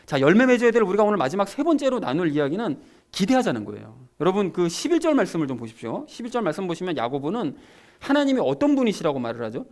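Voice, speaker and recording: A man's voice: sits high, sing-song, fast talker. A man preaching a sermon as pastor, talking conversationally and emphatically to his congregation.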